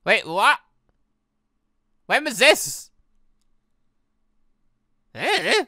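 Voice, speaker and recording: A British man gives rambling, casual commentary on a visual novel playthrough. His voice is bright and forward, with pitch that swings around in an animated way. The sound is close and dry. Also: very slow, no echo. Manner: rambling, musing aloud. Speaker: gaming video host.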